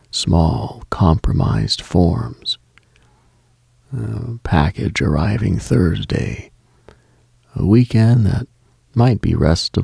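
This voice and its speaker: A man hosting a late-night radio show, speaking a slow reflective monologue in a hushed, half-whispered delivery. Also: sits low, vocal fry, husky, no room sound, clean studio sound.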